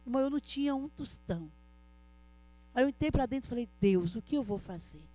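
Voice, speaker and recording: Middle-aged woman, church testimony, rapid earnest delivery, speaks directly to the congregation. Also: fairly high pitch, lively intonation, mellow, faint music behind. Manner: earnest storytelling, often addressing listeners as brother.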